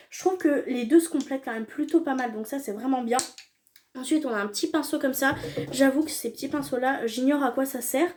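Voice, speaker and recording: A young woman talks through her makeup haul in a relaxed, chatty way, peppering her speech with fillers and slang. Her voice sits a little high but sounds mellow and soft-edged. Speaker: beauty vlogger. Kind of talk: casual product haul chat.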